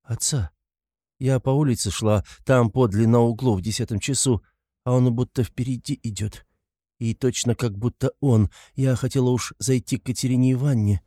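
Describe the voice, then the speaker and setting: A timid poor young woman who pleads in soft, halting, flustered words, as a male reader raises his voice to play her. The tone stays mellow and dark-edged under the lifted pitch. The recording is close and dry. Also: fairly even intonation, no room sound, close to an everyday voice. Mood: shy.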